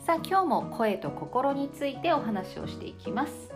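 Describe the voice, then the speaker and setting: A woman voice coach talks through her solo podcast with a slightly high voice that swoops up and down as she demonstrates pitch. Her delivery is lively and teacherly, with faint music playing under her. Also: moderate pace. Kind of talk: solo podcast lesson on speaking.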